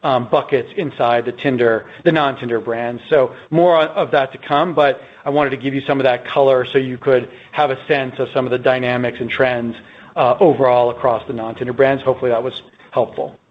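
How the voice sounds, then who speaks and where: A man answers as a company executive on an earnings call, measured and explanatory, with a mid-pitched voice. The sound is slightly muffled and lo-fi, as on a conference line. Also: steady tone.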